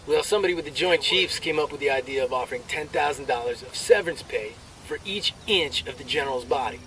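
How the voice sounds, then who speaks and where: Brash joke-telling soldier, off-mic. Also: male voice, fairly high pitch, very animated, pushed and bright, far from the mic, slight background noise, exaggerated voice, low-quality recording. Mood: cocky, joking. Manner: crude, swaggering, drawn-out punchline delivery. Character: brash, crude male army soldier cracking off-duty jokes. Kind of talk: military banter, performed joke storytelling.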